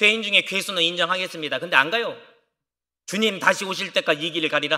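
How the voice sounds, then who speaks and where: A man's raised, projected voice, bright and sharp in tone, with lively intonation at a fairly quick pace. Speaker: pastor. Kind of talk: sermon. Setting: church.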